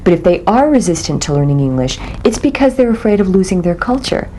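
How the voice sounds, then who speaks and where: Woman, low voice, soft dark timbre, measured delivery, slight rumble. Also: sing-song. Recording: faint low rumbling noise.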